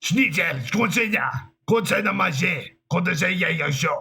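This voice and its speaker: Using a put-on character voice, a man speaks at a fairly slow pace in a raspy, high-pitched tone. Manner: playful, mock.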